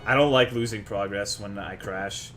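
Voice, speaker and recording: A man's voice: fairly low pitch, normal speed, fairly bright tone, soft background music. A man from Texas, chatting crudely and jokingly with viewers while streaming a video game. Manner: brash, profane, joking with chat. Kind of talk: casual live gaming stream chatter.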